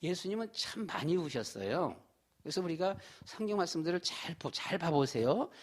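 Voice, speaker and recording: A middle-aged male pastor preaching a sermon in a church, with a slightly higher-than-usual voice. He speaks in a relaxed, everyday way, repeating himself often and scattering fillers like "보게 되면" throughout. The manner is warmly conversational, more like talking things over than a formal address. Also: moderate pace, breathy edge. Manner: folksy, repetitive preaching with many "보게 되면" fillers. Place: church sanctuary.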